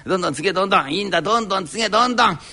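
A man's voice: sits high, racing. A man voicing a bossy, jovial landlord in a live rakugo storytelling, with an old Tokyo downtown accent, coaxing and scolding. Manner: coaxing, scolding, lively shifts of voice. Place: live performance hall.

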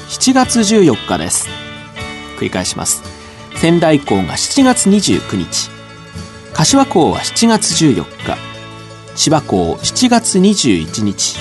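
Lively-pitched male radio announcer. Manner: clear measured reading, repeats dates.

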